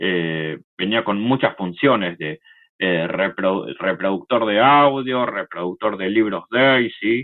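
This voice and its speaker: Speaking at a very slow pace in an Argentine accent, a man uses a fairly low pitch with ordinary pitch variation. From Argentina. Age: young. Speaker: accessibility consultant. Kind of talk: interview answer.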